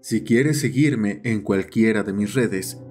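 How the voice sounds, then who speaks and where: A man's voice: on the low side, takes it slowly, darkish tone. A man narrating a scripted horror story as the host of the channel. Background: background music.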